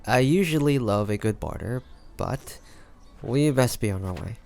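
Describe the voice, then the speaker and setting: A man playing a roguish, protective pirate captain in a scripted audio roleplay, talking teasingly and intimately to the listener in a gravelly voice. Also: medium pitch, expressive, normal speed, a little mellow. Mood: courteous, affable. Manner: teasing, smooth-talking, intimate pet names. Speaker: voice actor.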